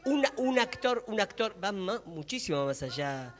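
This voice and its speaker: A man with an Argentine accent discussing his views at a public talk, emphatic and halting, repeating himself. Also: sits high, very animated, fairly bright tone. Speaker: guest speaker. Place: public talk room in a library. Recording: echoey hall reverb.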